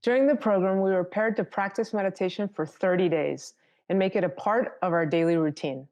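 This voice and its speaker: A woman from South Texas, a native Spanish speaker, giving a prepared conference talk in a steady storytelling manner. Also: lowish voice, brisk. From South Texas, United States.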